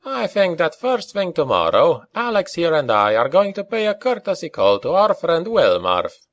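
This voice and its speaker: A man voicing a calm, wry Scottish mercenary with a lilting burr in an audiobook. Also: lowish voice, a little slow, dry recording, lo-fi sound. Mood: cheerful, wry.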